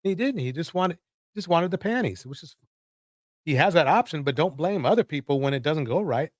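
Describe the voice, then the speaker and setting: Male reaction host, somewhat high voice, informal running commentary with emphatic repeats, close dry recording. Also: animated, brisk, no echo. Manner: chuckling, repeats himself for emphasis. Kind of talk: casual live reaction commentary.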